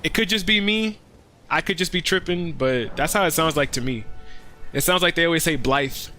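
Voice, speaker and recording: A man's voice: on the high side, a little fast, pushed and bright, soft background music. A man streaming a video game, chatting casually in an easygoing, rambling way. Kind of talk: casual livestream commentary.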